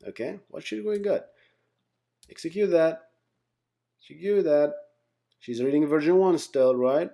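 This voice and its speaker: Pausing often, a channel host who teaches software engineering explains a topic in a slightly high, dark voice at a slightly slow pace. The lesson is casual and conversational, peppered with "right?", "okay?", and "guys".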